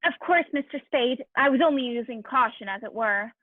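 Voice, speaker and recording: A woman's voice: on the high side, a little fast, no echo, narrow, tinny audio, close to an everyday voice. A woman playing a prim, wary male crook in a radio play, fussy and deferential. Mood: placating. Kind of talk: old-time radio play acting.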